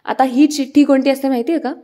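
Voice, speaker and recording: A woman retells a serial episode in a loose, chatty way, with frequent fillers. Her voice sits slightly high, and she speaks in a plain, conversational tone. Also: fairly even intonation, fast talker, mellow. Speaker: serial recap narrator. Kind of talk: casual story retelling.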